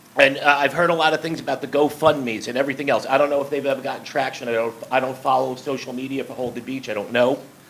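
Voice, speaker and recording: A man with a Northeastern US accent talks at a very fast pace, fairly high in pitch with fairly even intonation, over noticeable background noise. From US Northeast. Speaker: resident giving public comment. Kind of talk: public comment at town meeting. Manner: halting, many fillers and repeats.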